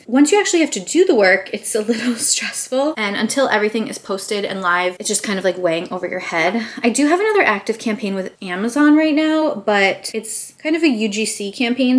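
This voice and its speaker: A young woman vlogger chatting casually at home while painting her nails, upbeat and rambling, a little out of breath. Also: medium pitch. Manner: chatty, upbeat, rambling with frequent "like" and "I don't know". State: slightly out of breath. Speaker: beauty vlogger. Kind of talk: casual chat while doing a manicure. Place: dining room at home.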